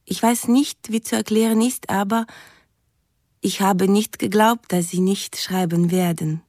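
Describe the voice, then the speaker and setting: A woman's voice: medium pitch, fairly even intonation, a little slow, darkish tone, dry recording, clean studio sound, close to an everyday voice. A woman playing an earnest Russian in her thirties in a radio play, reciting formal letters in broken grammar. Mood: earnest, shy. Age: 30s. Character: earnest young Russian woman writing romance emails.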